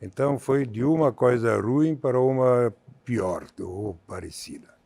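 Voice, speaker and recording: A man in his seventies from Bulgaria, speaking with a Bulgarian accent as a guest in an interview on a theater stage, measured and halting with many fillers. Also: mid-range voice, gravelly, darkish tone, no room sound. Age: 70s. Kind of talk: stage interview on a TV talk show.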